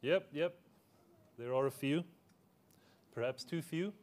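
A man with a slightly high voice, a native Afrikaans speaker, preaches to his congregation. He talks in a loose, conversational way, joking at his own expense and asking the people in the pews questions. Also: slow. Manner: conversational, self-deprecating humor, asks congregation questions. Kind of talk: sermon. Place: church.

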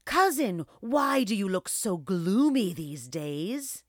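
A woman's voice: mid-range voice, big pitch swings, slow pace, dry recording, studio quality, pitched above the performer's own voice. A woman voicing a sly, mischievous aging female wolf in a children's storybook, teasing and persuasive.

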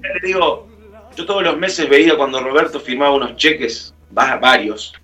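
A man's voice: on the high side, normal speed, pushed and bright, distant mic. A man with a Rioplatense Spanish accent, a guest musician in an interview, telling a heartfelt story and acting out the dialogue. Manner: heartfelt, acts out quoted dialogue.

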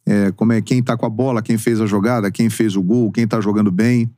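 A man in his forties, a sports narrator, chatting as a podcast guest in an expressive, talkative storytelling way with casual slang. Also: on the low side, brisk, no room sound, studio quality. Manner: expressive storyteller with emphatic, swooping delivery. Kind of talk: casual interview chat.

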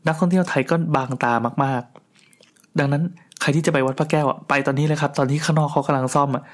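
A man's voice: on the high side, steady tone, fast talker. A middle-aged man casually telling a long personal story in a chatty, rambling way, with restarts and crude asides.

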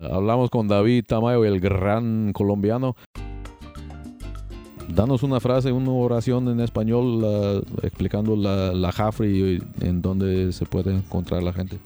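Low, mellow male interviewer. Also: steady tone, normal speed, faint music behind. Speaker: interviewer, host. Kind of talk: casual interview.

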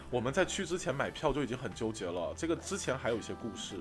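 A man from Sichuan, China, co-hosting a podcast and telling a trip story in casual chat, animated and often laughing. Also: mid-range voice, normal speed, music in the background. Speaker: podcast co-host.

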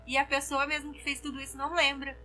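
A Brazilian woman with a high, bright voice chimes into a relaxed conversation with comments and questions. Her Brazilian Portuguese accent is clear. Faint music plays behind her. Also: quick pace. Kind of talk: casual chat.

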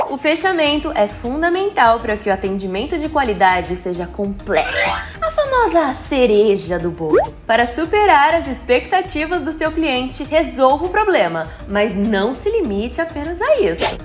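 A woman with a Brazilian Portuguese accent, hosting an educational podcast in an upbeat, didactic way with playful asides. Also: high voice. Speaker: podcast host giving customer-service tips. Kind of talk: scripted educational podcast narration. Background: background music.

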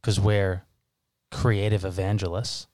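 A man's voice: sits low, flat delivery, takes it slowly, a little mellow, no room sound, clean studio sound. A man in his thirties from Massachusetts, co-hosting a casual podcast chat over beers, joking and teasing with a laugh. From Massachusetts, USA. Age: 30s. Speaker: podcast co-host.

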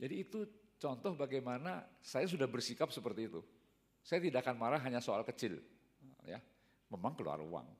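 An older man telling everyday stories in a casual, rambling talk, often tagging his sentences with a short "ya". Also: lowish voice. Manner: rambling, fills pauses with a tag "ya". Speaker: speaker giving a talk. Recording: long hall reverb.

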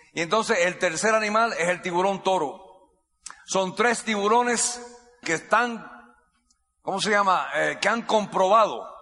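Bright high-voiced man, echoey hall. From United States. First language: English. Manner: repeats key phrases, vivid gestures, builds suspense. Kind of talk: dramatic storytelling speech.

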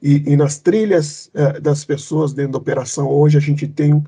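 Husky-voiced man from Cape Verde. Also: fairly high pitch, fairly even intonation, normal speed, mellow. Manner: thoughtful, hesitant with many fillers and restarts. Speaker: company executive, guest. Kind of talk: interview answers.

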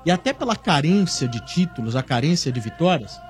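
A man, a regular panelist on a football talk show, arguing in an animated, emphatic way. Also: fairly high pitch, fairly quick, soft background music. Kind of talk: casual sports debate.

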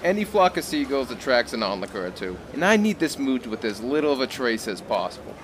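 A man's voice: medium pitch, sing-song, brisk, a crowd in the background, lightly acted. An actor playing a tense, brawny man in a military jacket offering a shady job in an audio drama, talking easy over his nerves. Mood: discreet, persuasive. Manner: easy talk over nervous tension.

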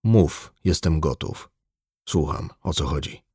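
A man's voice: very deep voice, animated, takes it slowly, a little mellow, breathy edge, dry recording, clean studio sound, pitched below the performer's own voice, full character voice. A man voicing a wounded, amnesiac man in an audiobook, terse and guarded. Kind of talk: audiobook dialogue.

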